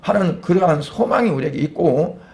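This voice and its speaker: A man, a pastor, preaching a Sunday sermon in a conversational way, asking rhetorical questions and pausing on fillers. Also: high voice, animated, creaky, darkish tone.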